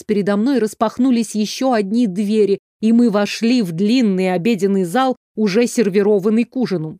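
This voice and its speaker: A woman narrating an audiobook in first person, in a measured, expressive reading on a close mic. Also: mid-range voice, no room sound.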